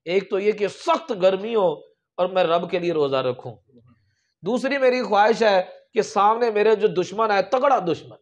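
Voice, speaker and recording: A man's voice: high voice, lively intonation, normal speed, highs cut off. A man preaching a sermon, telling religious stories with emphatic raised peaks. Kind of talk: storytelling sermon.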